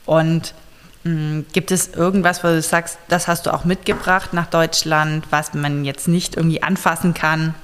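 A woman interviewing a young man, asking gentle, careful questions with frequent fillers. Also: deep voice, little pitch movement, moderate pace, clear, resonant tone, in a large hall.

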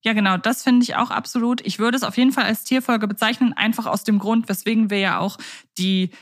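A woman co-hosting a podcast, talking in a relaxed, thoughtful way with frequent fillers and restarts. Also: on the high side, brisk. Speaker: podcast co-host. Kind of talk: casual podcast chat.

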